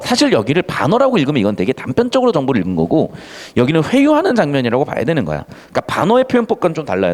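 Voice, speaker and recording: An animated male tutor with a slightly high voice explains a text to students in an exam-prep lecture. His pitch leaps about constantly, and he switches between casual and polite speech. The room gives his voice a long, trailing reverb. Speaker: Korean literature tutor.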